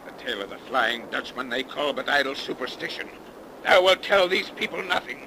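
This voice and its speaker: An actor in a 1930s radio drama playing a menacing, cursed sea captain who speaks in archaic, theatrical, halting phrases. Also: male voice, mid-range voice, expressive, natural voice. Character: brooding, menacing, God-hating cursed old sea captain. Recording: noisy 1930s radio broadcast.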